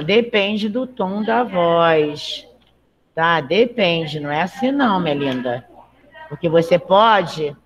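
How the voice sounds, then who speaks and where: A woman's voice: on the low side, a bit bright. Chatty, encouraging woman teacher. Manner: chatty, checks in with frequent "tá?"; encouraging and motherly with students. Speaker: Portuguese teacher. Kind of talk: live online grammar lesson.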